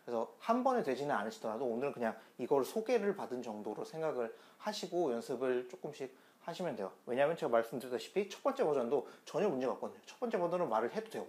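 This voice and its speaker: Man, pronunciation teacher, animated pitch, chatty, repeats sounds to demonstrate. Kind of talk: online pronunciation lesson.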